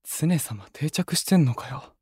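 A man's voice: fairly high pitch, animated, moderate pace, a little mellow, breathy edge, no room sound. A wry, self-assured young male idol in an audio drama. He talks bluntly and casually with teasing retorts, recorded close and dry. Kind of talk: Japanese anime-style audio drama acting.

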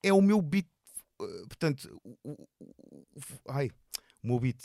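Speaking a little slowly but very animatedly, a man with a medium-pitched, mellow voice and some vocal fry tells casual stories about his stand-up shows as an interview guest. His European Portuguese accent is paired with a stutter, so he repeats and blocks on words. The studio-quality audio has no room sound.

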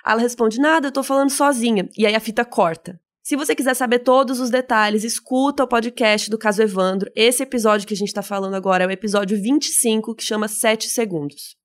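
A woman's voice: a little high, steady tone, brisk, hardly any pauses. A woman co-hosting a podcast, explaining case details in a chatty way with explanatory asides. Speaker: podcast co-host. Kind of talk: casual true-crime retelling.

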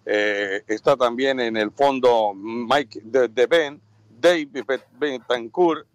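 A man's voice: medium pitch, slow pace, no room sound. A man working as a sports commentator, giving an informative match preview with line-ups and standings.

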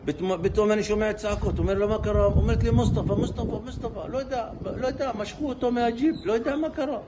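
A man's voice: sits high, a loud crowd. A man, a bereaved father giving a distraught account in a recorded clip, his voice breaking. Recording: noisy field recording.

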